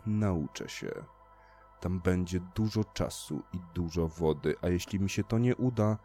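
A man voicing an angry, grim male spaceship crewman who shouts accusations, in an audiobook reading. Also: low voice. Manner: shouting insults, then cold and quiet.

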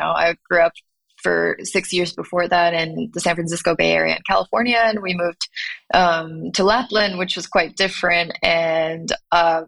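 Young woman from Finland, interview guest; low, gravelly fry, hesitant thoughtful delivery. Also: a bit bright, poor audio. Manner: thoughtful, many fillers and restarts. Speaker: startup founder, guest. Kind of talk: conversational interview.

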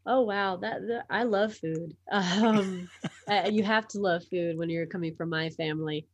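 A woman's voice: lowish voice, measured pace, no room sound. A woman whose first language is Portuguese, a sports publisher talking as a podcast guest, chatty and full of ums and restarts. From United States (Miami). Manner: talkative, many ums and restarts. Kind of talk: casual interview chat.

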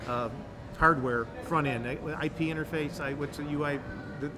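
A man's voice: fairly high pitch, steady tone, moderate pace, over music. Man, from the Midwest, podcast guest, rambling enthusiastic explainer. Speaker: guest, incubator director. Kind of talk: casual podcast interview.

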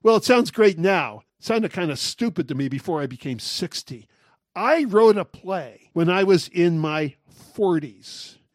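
A man in his sixties hosting a solo talk show, talking in a wry, animated, joking way. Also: sits high, unhurried, no echo, clean studio sound. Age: 60s. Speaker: podcast host.

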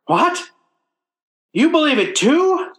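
A man's voice: very high voice, sing-song, slow pace, a bit bright, echoey room, exaggerated voice. An actor playing a blustering, self-pitying working-class father in old-time radio comedy style, with stammering, folksy, ungrammatical speech. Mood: indignant.

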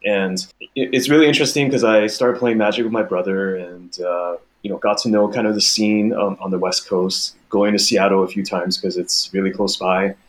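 Soft-spoken low-voiced man chatting. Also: steady tone, normal speed, few pauses. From Taiwan. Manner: thoughtful, many small restarts. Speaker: podcast guest. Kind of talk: casual interview chat.

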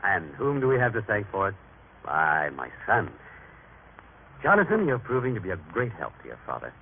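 A man's voice: on the low side, wildly swooping pitch, normal speed, vocal fry, narrow, tinny audio, exaggerated voice. An actor playing a proud, emphatic family father in an old radio drama, with a theatrical, paternal manner. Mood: warm, proud. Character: proud, stern, affectionate husband and father, prejudiced. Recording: noisy, band-limited vintage radio recording.

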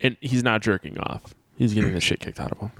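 A man's voice: on the low side, fast, vocal fry, a bit bright, husky, no room sound. A man co-hosting a casual movie podcast, chiming in with short crude wisecracks. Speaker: podcast co-host. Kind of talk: casual movie review chat.

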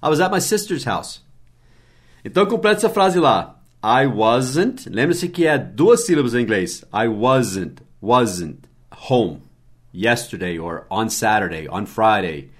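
A man with a Brazilian Portuguese accent teaching basic English in a podcast lesson, spelling words letter by letter and repeating the pronunciations slowly. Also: medium pitch, big pitch swings.

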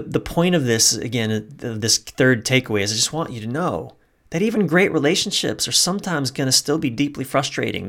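A man's voice: lowish voice, a bit bright. Earnest, emphatic male relationship coach. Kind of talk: casual talk, personal story.

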